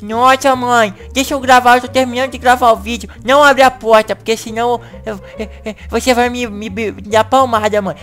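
A woman hosting a gaming channel in a comedic video-game animation. She talks in excitable, whiny bursts with a rather high voice. Faint music plays under her. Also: brisk, few pauses.

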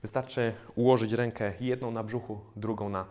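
Man in his thirties, fitness trainer, low voice, calm and explanatory, with pauses and fillers, lapel mic. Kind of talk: instructional exercise video. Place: bare indoor studio room.

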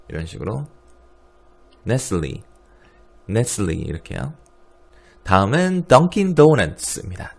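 Korean teacher, male, low and animated, slow drilling of brand names, repeats each word. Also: creaky. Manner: repeats each brand name slowly, then explains. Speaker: English pronunciation teacher. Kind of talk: lively pronunciation lesson.

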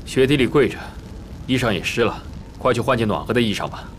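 An actor playing a composed, solicitous young emperor in a period palace drama. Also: male voice, medium pitch, animated, fast talker, lightly acted. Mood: calm concern. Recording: faint background noise.

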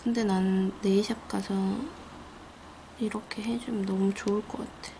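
A woman with a Gyeongsang Korean accent gives a casual hands-on nail tutorial. Her voice sits at a middle pitch with plenty of creak. A light noise runs behind her in the studio. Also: moderate pace. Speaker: nail art instructor. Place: indoor nail art studio. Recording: noisy room, steady background noise.

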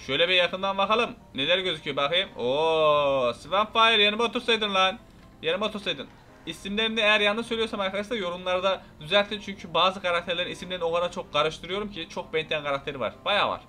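A man's voice: sits high, quick pace, pushed and bright. A young man giving casual, rowdy gameplay commentary, chatting to viewers and mock-threatening game characters. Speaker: gameplay YouTuber. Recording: faint music behind.

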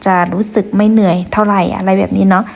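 A woman's voice: medium pitch, flat delivery, fast, gravelly. A woman from Kengtung hosting a vlog, chatting to viewers as she walks them around a hilltop pagoda outdoors. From Kengtung, Shan State, Myanmar. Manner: chatty, addresses viewers, many soft polite particles. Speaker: vlog host. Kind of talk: walking tour narration.

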